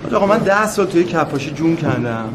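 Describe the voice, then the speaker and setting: An actor playing a desperate, hot-tempered working-class husband in a film drama, shouting and pleading. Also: male voice, a little high, animated, background noise, natural voice. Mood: bitter.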